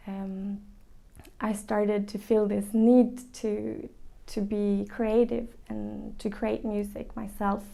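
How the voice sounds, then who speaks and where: A young woman with a Norwegian accent talks about her music in a calm, searching way, stopping often to find the right words. Her voice is low in brightness, mellow and heavy with vocal fry. Her pitch stays flat and even, with little rise or fall. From northern Norway. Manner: thoughtful, searching for words with many ums and restarts. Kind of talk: reflective interview answers.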